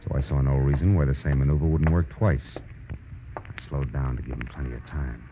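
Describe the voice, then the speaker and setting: An American actor playing a tough, wisecracking private detective who also narrates, in clipped, slangy 1940s radio style. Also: male voice, extremely low pitch, fairly even intonation, fairly quick, noisy background. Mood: wry narration. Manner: hard-boiled, clipped, slangy. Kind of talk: 1940s hard-boiled radio detective acting. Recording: muffled old radio recording, background music.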